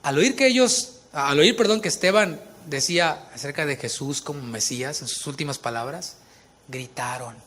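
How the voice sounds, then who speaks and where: Pastor, sermon delivery, fairly high voice, emphatic with chatty asides. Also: male voice, moderate pace, a bit bright. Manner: emphatic preaching with casual conversational asides.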